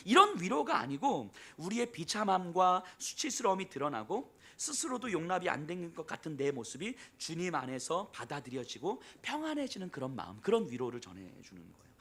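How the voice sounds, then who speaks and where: A man preaching a sermon as pastor, pleading and emotional, going from hushed and soft to loud. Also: a little high, slightly rough. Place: church.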